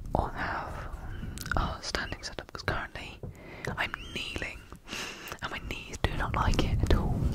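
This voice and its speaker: Whispering at a moderate pace, a man pauses often and at length. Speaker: ASMR content creator. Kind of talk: casual talk to camera. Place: home room. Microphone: studio mic.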